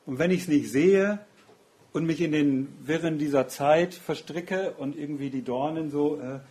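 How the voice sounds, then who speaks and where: A man's voice: on the high side, a little mellow. A man preaching a sermon in an earnest, reflective way, often asking rhetorical questions.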